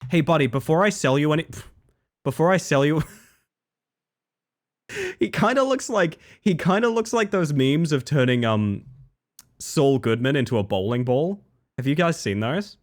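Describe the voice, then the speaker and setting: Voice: medium pitch, sing-song, normal speed, long pauses. Streamer chatting over a game, jokey and sweary, repeats stuff, voice swings up and down a lot. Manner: joking, swearing, repeats phrases. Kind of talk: casual live gameplay commentary.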